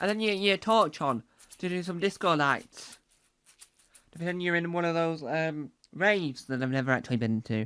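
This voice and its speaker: Speaking with a northern English accent, a man has a high pitch and a bright, sharp tone. His intonation is lively, his pace moderate, with long, frequent pauses. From northern England. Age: 20s. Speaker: stand-up comedian. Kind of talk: stand-up. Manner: animated.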